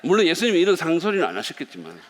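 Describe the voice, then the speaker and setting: A man's voice: a little high, wildly swooping pitch, very fast. A male pastor preaching a sermon, playful and speaking directly to the congregation. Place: church sanctuary. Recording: long reverb of a church hall.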